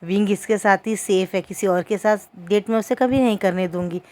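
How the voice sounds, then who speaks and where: A woman's voice: mid-range voice, normal speed, a little mellow, natural voice. A woman voicing a stern, scheming middle-aged mother who gives orders. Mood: bossy. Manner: bossy, giving orders.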